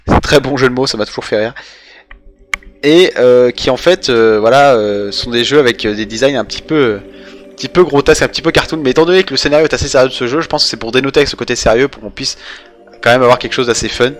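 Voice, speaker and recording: A man's voice: mid-range voice, fast talker, faint music behind. A young French man doing casual live game commentary, rambling and hesitant as he goes. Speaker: game streamer.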